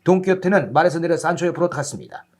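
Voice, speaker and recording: A man with a fairly high voice narrates a children's fairy tale. He reads as an animated storyteller, carrying the tale along in scripted narration. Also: racing.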